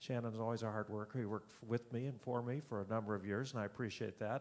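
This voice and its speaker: A soft-spoken man talks at a very fast pace. His intonation stays fairly even. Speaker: state agency director. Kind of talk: welcome speech.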